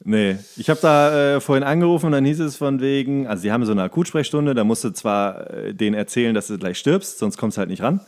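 A man chats casually as a podcast co-host. He tells stories in a grumbling, exasperated manner, slipping into quoted dialogue, with a mid-pitched voice. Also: fast talker, hardly any pauses, a little mellow. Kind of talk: casual comedic chat, storytelling.

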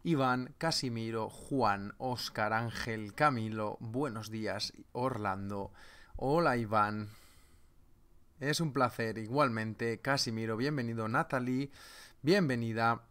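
Joking trading seminar host. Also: male voice, mid-range voice, slow pace, fairly bright tone. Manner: joking, banters with chat, reads names aloud. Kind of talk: live webinar, greeting chat viewers.

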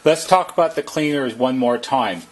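A man with a slightly husky voice narrates a how-to as a service technician, explaining plainly and methodically, step by step. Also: medium pitch, moderate pace. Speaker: service technician giving a tutorial.

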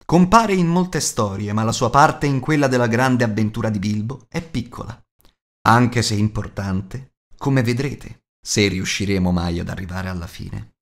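A man's voice: on the low side, unhurried. Man narrating a fantasy storybook. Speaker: audiobook narrator. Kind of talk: expressive scripted storybook narration.

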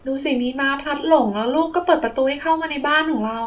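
Woman as a fretful mother with high voice. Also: fast, natural voice. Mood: exasperated. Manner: fretting, exclaiming. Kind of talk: children's toy play storytelling.

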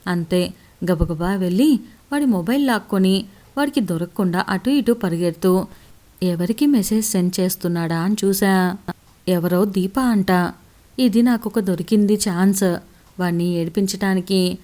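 A woman's voice: medium pitch, moderate pace, warm tone. A woman narrating a romantic story in the first person, in an intimate, emotional storytelling manner.

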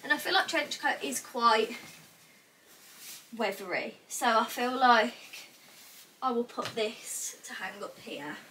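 A bright, fairly high-voiced young woman with a British accent chats away as she sorts her wardrobe, nasal and a bit stuffed up from a cold. She rambles in a relaxed, thinking-aloud way. The camera sits across a small bedroom, so she sounds slightly distant, with a faint hiss behind her. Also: slow pace, pauses often. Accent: British English. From England. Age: young adult. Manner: chatty, thinks out loud, frequent "like". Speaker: vlogger. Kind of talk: casual chat to camera. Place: small cluttered bedroom wardrobe room indoors. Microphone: camera across the room.

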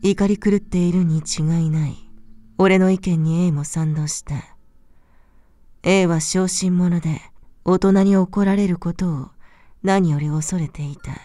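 A woman reading a scripted horror story as narrator, in a calm, measured, soft manner. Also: on the low side, no room sound.

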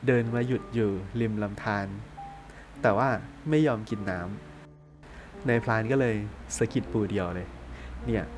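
A man narrating a ghost story in a casual, chatty podcast style, dropping to hushed tones for suspense. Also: mid-range voice, unhurried, soft background music.

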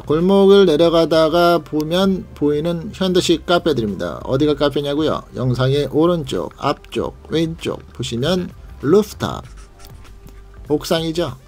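A man's voice: on the high side, a little mellow. A man hosting a travel vlog, narrating a leisurely tour in a guide-like way and pointing out sights. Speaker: vlog host.

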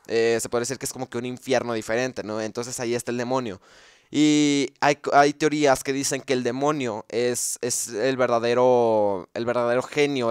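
A gaming YouTuber thinks aloud about game lore, casually explaining a video game theory with frequent fillers, pauses, and restarted sentences. His smooth, clear voice sits at an ordinary pitch, captured dry and close with no echo or room sound.

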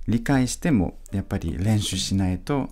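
A male teacher giving a patient pronunciation lesson, repeating each sound slowly for practice. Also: on the low side, lively intonation, mellow, faint music behind. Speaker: French teacher.

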